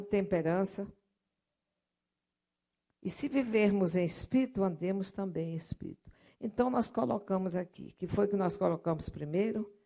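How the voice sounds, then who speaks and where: A middle-aged Brazilian woman missionary preaching a sermon, lively and storytelling, acting out voices from her anecdotes. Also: on the low side, creaky. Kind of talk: sermon with object lesson.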